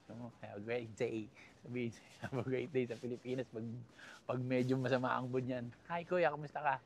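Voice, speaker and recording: A playful man from the Philippines walks along a river path, chatting straight to his viewers in a casual travel vlog. He jokes and chuckles often, in a mid-pitched voice. A faint wash of outdoor ambience sits behind him. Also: little pitch movement, fairly quick, darkish tone, slight background noise. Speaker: travel vlogger.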